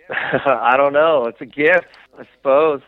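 A man from the United States, a former Olympic swimmer, answering interview questions in a reflective, halting way with many fillers. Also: mid-range voice, dry recording. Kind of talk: casual interview conversation. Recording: tinny phone-line sound, dry.

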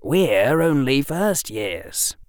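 A man's voice: medium pitch, sing-song, drawn-out words, dry recording, studio quality, pitched above the performer's own voice, heavily acted. A man voicing a clever eleven-year-old boy who reasons things out matter-of-factly. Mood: calm reasoning.

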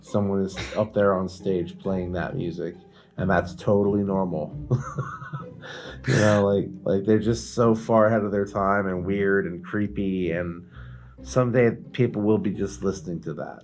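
A man's voice: sits low, steady tone, moderate pace, darkish tone. A man co-hosting a podcast, chatting casually in a rambling, explanatory way and swearing now and then. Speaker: podcast co-host. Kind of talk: casual chat.

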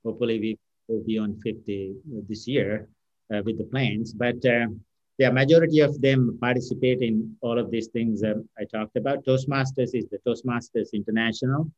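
A man speaking English as his third language, answering interview questions as a company founder with many fillers, pauses and restarts. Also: medium pitch, fairly even intonation, darkish tone, dry recording, highs cut off. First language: non-English first language. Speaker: company founder and CEO, guest. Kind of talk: unscripted podcast interview answer.

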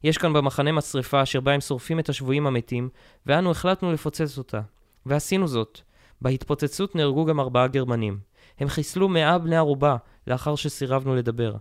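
A man voicing a gaunt French prisoner who speaks calmly and earnestly to his wife. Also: mid-range voice, smooth, dry recording, clean studio sound, close to an everyday voice. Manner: calm, soothing, earnest. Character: gaunt French prisoner husband, calm and brave.

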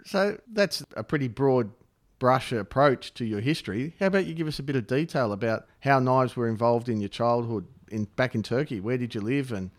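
A man's voice: medium pitch, expressive, a little fast. A man co-hosting a podcast, blunt and crude with wry humor, asking casual questions. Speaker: podcast co-host.

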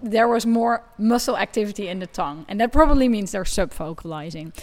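A woman's voice: medium pitch, fairly quick. A woman whose first language is not English, explaining her research with enthusiasm in an interview. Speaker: guest researcher. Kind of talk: conversational interview.

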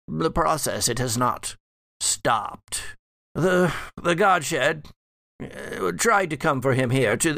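A man voicing a weary, mocking undead father in a horror roleplay, halting and condescending as he shares dark secrets. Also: medium pitch, creaky, no room sound, studio quality, heavily acted. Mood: brooding, explanatory. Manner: halting, drawn-out, condescending delivery. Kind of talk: improvised in-character horror roleplay.

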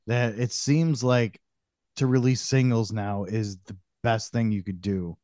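A man's voice: fairly low pitch, fairly even intonation, a little slow, darkish tone, no echo. Male podcast host, casual, sweary, middle voice, dry mic. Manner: loose, swearing, filler-heavy.

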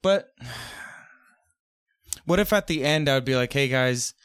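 A man's voice: fairly high pitch, animated, unhurried, fairly bright tone, clear, resonant tone, no echo, clean studio sound. A young man co-hosting a podcast in casual chat, playful and musing, laughing often. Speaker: podcast co-host.

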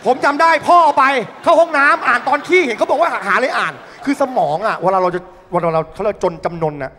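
High-pitched young man, stand-up comedian, animated profane storytelling, long studio reverb. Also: quick pace, slight background noise. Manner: animated, profane, vivid sound effects. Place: studio stage.

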